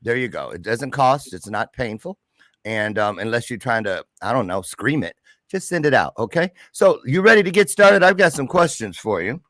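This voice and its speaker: A man's voice: mid-range voice, very animated, moderate pace, a bit bright, no echo, studio quality. A man hosting a casual livestream interview show in an exuberant, playful, slangy way. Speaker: show host.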